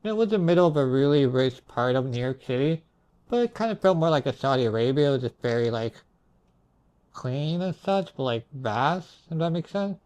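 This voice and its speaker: A man's voice: mid-range voice, lively intonation, normal speed, darkish tone, clean tone. Puzzled young man hazily recounting dreams. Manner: hazy, puzzled recounting, trailing into asides. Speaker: storyteller recounting own dreams. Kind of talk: casual rambling storytelling.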